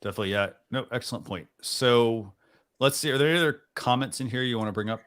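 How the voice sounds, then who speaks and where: A man's voice: medium pitch, fast, fairly bright tone, no echo, clean studio sound. A man co-hosting a live stream, chatting casually in a rambling way with lots of restarts. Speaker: co-host of a live stream show.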